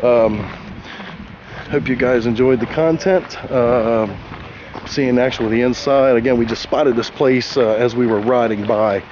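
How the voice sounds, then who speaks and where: A man's voice: mid-range voice, a little slow, highs cut off. Guy in his 40s filming himself outside an old motel, lots of uh and um, noisy outdoor sound. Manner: rambling with many fillers. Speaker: urban explorer vlogger. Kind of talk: casual vlog walkthrough. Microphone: handheld camera at arm's length. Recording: outdoor noise behind.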